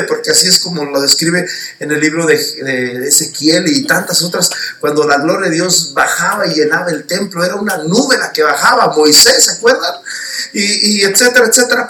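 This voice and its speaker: Male preacher, emphatic sermon delivery, high and tense, church hall echo, mic set back. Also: slight background noise. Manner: emphatic, rising to shouts at peaks. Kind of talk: sermon with personal testimony. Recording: roomy church sound from a distant mic.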